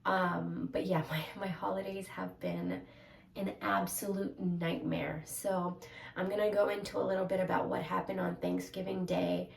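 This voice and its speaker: Congested young woman, personal vlog, gravelly edges, echoey room, set back from the mic. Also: lowish voice, little pitch movement, normal speed, distant mic, slight background noise. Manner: candid, hesitant, with many fillers. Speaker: vlogger.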